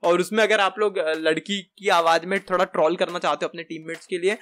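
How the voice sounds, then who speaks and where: A man, giving a casual, chatty software tutorial for gamers. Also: high voice, fairly even intonation, a little fast. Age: 20s. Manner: informal, chatty, Hindi mixed with English tech words. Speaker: video tutorial presenter. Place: indoor room at a gaming chair, voice over screen capture. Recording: music behind the voice.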